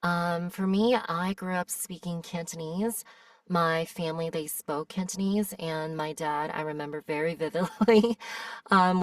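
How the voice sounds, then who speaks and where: Low-voiced reflective woman, slightly off-mic. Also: dry recording, clean studio sound. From United States. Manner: reflective and candid. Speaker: voice actress guest. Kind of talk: casual interview chat. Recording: voice a bit distant from the mic.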